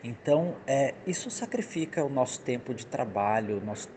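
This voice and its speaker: A man with a Brazilian accent giving casual testimony as an interviewed father, halting and repeating himself for emphasis. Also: medium pitch, lively intonation. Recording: clearly noisy background ambience.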